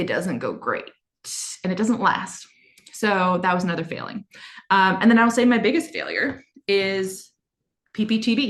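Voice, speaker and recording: A somewhat breathy woman's voice at medium pitch and moderate pace, with ordinary pitch variation and long, frequent pauses. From Canada, Toronto. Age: 30s. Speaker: business coach. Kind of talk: live workshop. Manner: mumbling.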